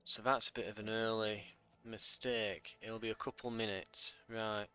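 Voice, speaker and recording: A man's voice: fairly low pitch, flat delivery, normal speed, pushed and bright, clear, resonant tone. A man giving casual let's play commentary, thinking aloud in a wry way.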